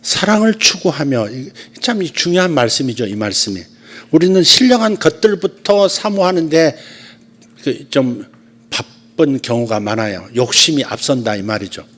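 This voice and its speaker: A male pastor preaches at a church service in a relaxed storytelling way. His voice sits at an ordinary middle pitch. He swings between louder and quieter phrases. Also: moderate pace. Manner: storytelling, with loud and soft swings. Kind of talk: conversational sermon.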